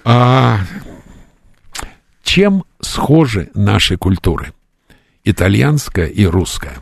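Gravelly, husky-voiced male radio host. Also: lowish voice, very animated, slow pace, no echo, studio quality. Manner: jokey, reads out listener questions. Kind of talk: casual radio interview.

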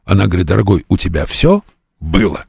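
A male radio host with a gravelly, husky voice, joking around and reading questions aloud. The sound is dry and close to the mic. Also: low voice, sing-song, brisk, a little mellow, dry recording. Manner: jokey, reads out listener questions. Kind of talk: casual radio interview.

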